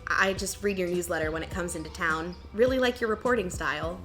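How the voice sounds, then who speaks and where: A woman's voice: lowish voice, brisk, fairly bright tone, faint music behind, natural voice. A woman playing a friendly, dryly teasing young mayor's assistant in casual audio drama dialogue.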